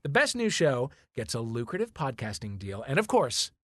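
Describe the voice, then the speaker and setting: A man's voice: mid-range voice, sing-song, normal speed, fairly bright tone, no room sound, clean studio sound. A man hosting a comic podcast game show, announcing rounds in a playful, theatrical way.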